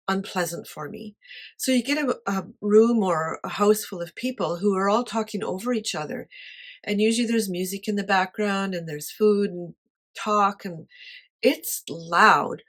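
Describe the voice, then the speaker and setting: A woman with a quiet voice talking casually to camera about her life, light-hearted and honest in manner. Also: medium pitch. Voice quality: quiet voice that does not carry. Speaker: artist sharing life advice.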